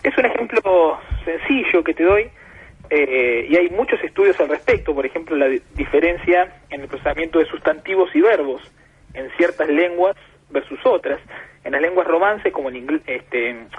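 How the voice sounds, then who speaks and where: A slightly high, husky Argentine man explains things patiently, like a professor, layering example on example. He speaks over a muffled telephone line carried on radio. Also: lively intonation, normal speed. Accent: Argentine Spanish. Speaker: guest expert.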